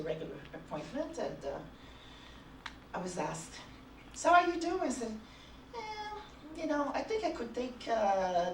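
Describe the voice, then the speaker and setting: A woman's voice: medium pitch, distant mic, noisy background. Chatty woman speaking in an echoey hall. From Canada. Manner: chatty, anecdotal, laughs often. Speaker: conference speaker. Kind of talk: conference talk. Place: conference hall.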